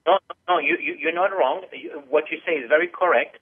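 A man's voice: fairly high pitch, brisk, husky. A man who teaches animal massage, patiently explaining on a radio call-in interview with many small hesitations. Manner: patient, explanatory, with frequent uh fillers. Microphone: phone call. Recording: tinny phone line.

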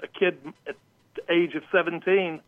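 A man from Georgia, a radio guest telling stories casually and pausing mid-sentence. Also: a little high, steady tone. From Georgia, United States. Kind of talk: casual autobiographical storytelling. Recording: tinny phone line.

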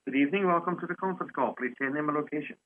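A man's voice: fairly high pitch, racing, narrow, tinny audio. A man hosting a conference call, politely welcoming callers and asking them to introduce themselves in set greetings. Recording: phone conference line, noticeable noise.

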